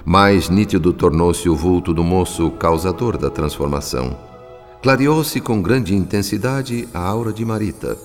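A reflective male spirit analyst narrating a radio drama in a very deep, measured voice. His delivery is solemn and literary, set in a long reverb with music underneath. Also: expressive.

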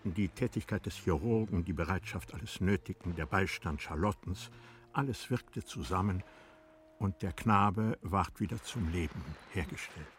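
A man narrating a literary radio drama in a sober, deliberate way, phrase by phrase. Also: low voice, a little hiss or hum.

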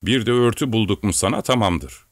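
A man voicing a kindly male stable servant who talks gently to horses, with a low, dry voice. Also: expressive, fairly quick, no room sound. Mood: coaxing. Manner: gentle, coaxing.

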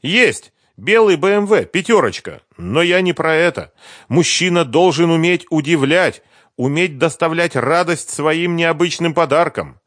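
A man's voice: on the high side, lively intonation, measured pace, a bit bright, no room sound, studio quality, voice pushed up. A man reading the part of a twenty-three-year-old woman singer, who sighs and talks persuasively about men and money. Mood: coaxing. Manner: sighing, persuasive, lightly complaining. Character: young woman pop singer, 23, coy and calculating.

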